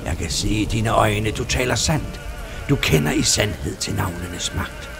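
Male narrator doing a calm, riddling demon lord; low, gravelly, quietly menacing, storybook read over music. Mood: commanding. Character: ancient male demon of the land, calm and cunning. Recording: music playing underneath.

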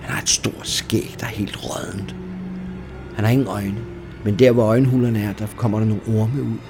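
A man's voice: lowish voice, fairly even intonation. Man narrating a tabletop horror game. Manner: measured, suspenseful description. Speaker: game master. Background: background music.

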